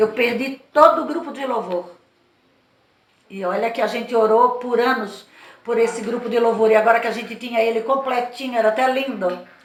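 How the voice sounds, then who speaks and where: The speaker's intonation stays fairly even, with audible echo from the room. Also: woman, fairly high pitch for a woman, moderate pace. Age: 70s. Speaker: pastor. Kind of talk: testimony. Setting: house church gathering.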